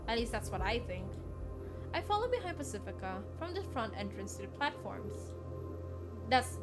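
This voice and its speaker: A woman livestreamer reading a visual novel aloud in an animated way, with casual asides. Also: a little high. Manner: animated, reacts and questions aloud as she reads. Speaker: game streamer. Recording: background music under the voice. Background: music.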